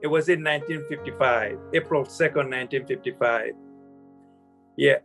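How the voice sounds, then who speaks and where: A man in his sixties, born in Vietnam, telling his life story as an interview guest in a halting way that often restarts phrases. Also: medium pitch, a bit bright, faint music behind. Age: 60s.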